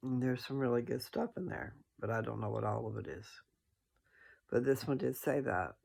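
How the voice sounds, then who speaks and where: A man with a noticeably gravelly, fry-laden voice at an average pitch. He sounds sleepy as he hosts a casual scripture chat. His delivery is homespun and meandering, and he backs up to correct himself as he goes. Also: lively intonation, moderate pace, darkish tone. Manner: folksy, rambling, self-correcting. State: sleepy, yawning. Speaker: host reading and discussing scripture. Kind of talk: casual rambling religious commentary to followers.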